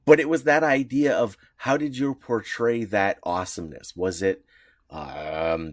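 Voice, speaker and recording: A man's voice: deep voice, dry recording, studio quality. A man co-hosting a podcast who chats casually, laughs often and chimes in with short agreements. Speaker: podcast co-host. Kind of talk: casual chat about comic history.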